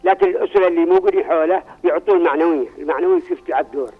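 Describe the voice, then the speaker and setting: An older man calls in to a radio program, his voice squeezed through a thin, tinny phone line. He speaks at a rapid clip in a fairly high register, offering earnest advice laced with religious phrases. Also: faint music behind. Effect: heard over a phone line. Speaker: radio call-in caller.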